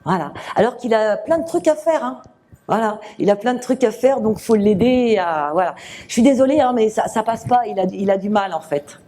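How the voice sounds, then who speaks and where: A woman medium giving a live reading to an audience, speaking gently with many fillers and restarts. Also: fairly high pitch, expressive, moderate pace, slight background noise. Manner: gentle, reassuring address to the sitter.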